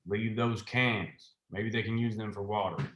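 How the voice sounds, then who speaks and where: A man's voice: lowish voice, fairly even intonation, measured pace, fairly bright tone. A man playing a menacing, corrupt small-town sheriff in a script read, commanding and contemptuous. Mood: cold, scornful. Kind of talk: screenplay table read. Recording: roomy, echoing sound.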